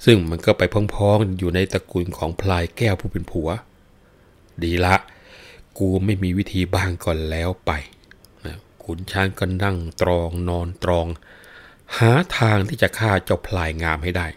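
A man with a fairly low voice narrates an old folk tale. He tells it in a lively, dramatic way, leaning on the key moments. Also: normal speed. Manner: breaks into chanted verse recitation. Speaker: storyteller. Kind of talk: retelling a classic folk tale.

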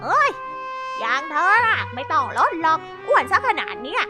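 A woman's voice: very high-pitched, big pitch swings, moderate pace, voice pushed up. A woman voicing a grumpy little meerkat who mocks and scolds from its burrow. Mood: irritated, mocking. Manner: rude, mocking. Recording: music underneath.

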